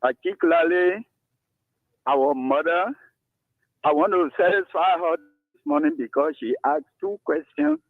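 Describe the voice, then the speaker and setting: A man in his seventies with a Liberian English accent, calling in to a radio talk show and speaking slowly about himself. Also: a little high, no room sound. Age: 70s. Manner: slow, lively rises and falls, gravelly. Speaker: caller. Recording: tinny dry phone line.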